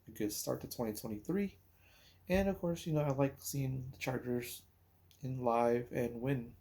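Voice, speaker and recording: A man hosting a casual sports talk podcast, thinking aloud in a rambling, hesitant way with pauses as he recalls things. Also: mid-range voice, darkish tone. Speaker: podcast host.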